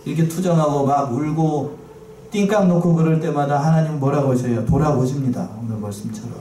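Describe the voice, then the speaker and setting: Preaching in the sanctuary, a man with a slightly high, mellow voice moves at a brisk pace, repeating key phrases and putting frequent questions to the congregation. Audio is distant and roomy, with a little noise.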